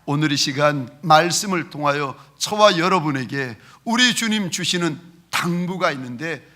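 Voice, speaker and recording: Bright-voiced Korean pastor preaching. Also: male voice, fairly high pitch, animated, moderate pace. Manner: playful, mimics regional dialects for laughs; leads the congregation in call-and-response. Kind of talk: sermon.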